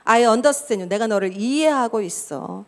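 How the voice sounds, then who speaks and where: A woman's voice: on the high side, animated, measured pace. A middle-aged woman pastor giving a sermon, laughing often and acting out quoted dialogue.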